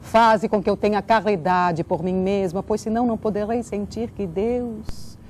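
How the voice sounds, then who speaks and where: Woman guest talking earnest n performer-like, medium pitch, bit of noise behind. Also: steady tone, moderate pace, darkish tone. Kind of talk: earnest interview talk and poetic recitation.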